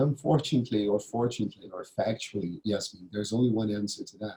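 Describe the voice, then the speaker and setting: A man's somewhat breathy voice with a dark, mellow tone and a Portuguese accent, at a very fast pace. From Brazil. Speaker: English teacher and teacher trainer. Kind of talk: conference talk Q&A. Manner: hesitant, with fillers.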